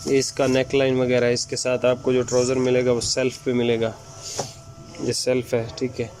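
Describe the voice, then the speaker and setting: A man with an unwell, sore-throated voice gives a casual online sales pitch item by item, repeating his catchphrases to viewers. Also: monotone, normal speed. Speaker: shop presenter selling women's suits. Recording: clear background noise, room ambience.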